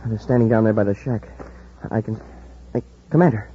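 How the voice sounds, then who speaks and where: An actor playing an eager, excitable young space cadet in a 1950s radio drama, heard on a dull old radio recording. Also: male voice, fairly low pitch, a little fast, slight background noise, close to an everyday voice.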